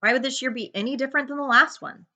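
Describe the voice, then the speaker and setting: A woman's voice: sits high, steady tone, rapid-fire, sharp tone, voice pushed up, heavily acted. A woman voicing a young schoolboy in a children's storybook, by turns bored, worried and pleading.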